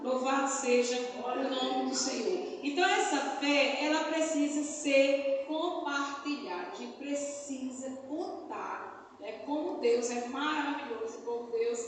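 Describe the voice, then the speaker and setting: A woman's voice: high-pitched, measured pace, background noise. A woman with a Brazilian accent preaching a fervent sermon at a family church service. She keeps asking "né?" and breaks into praise. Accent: Brazilian Portuguese. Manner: fervent, peppers speech with "né?" tag questions and praise shouts. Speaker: missionary preacher. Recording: echoey church hall, mic far off.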